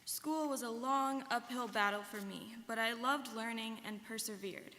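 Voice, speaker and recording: A young adult woman, performing as a student, gives an earnest, rehearsed stage reading in the first person about her own life, with a mood of earnest recollection. Her voice is a little high with a sharp tone at normal speed, echoing in a reverberant hall with faint noise.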